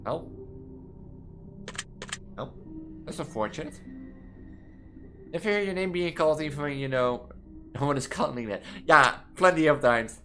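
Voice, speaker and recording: A young trans woman with a Dutch accent, reading quiz questions aloud and answering them in a rambling, halting way that restarts words mid-sentence, from her student apartment. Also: deep voice, animated, fairly bright tone, soft background music. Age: young adult. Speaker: gaming video creator.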